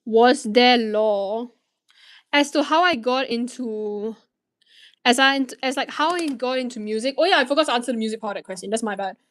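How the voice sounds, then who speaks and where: A woman's voice: fairly high pitch, normal speed. A teenage woman from Malaysia streaming, chatting casually and answering viewer questions, rambling with restarts and swearing.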